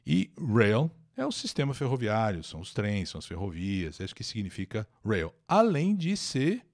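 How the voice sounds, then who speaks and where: A man's voice: lowish voice, sing-song, normal speed, a little mellow. A man from Brazil hosting a live-streamed English lesson, reading an article aloud, translating it and greeting viewers by name. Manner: chatty, greets viewers by name, explains words and pronunciations. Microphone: new microphone.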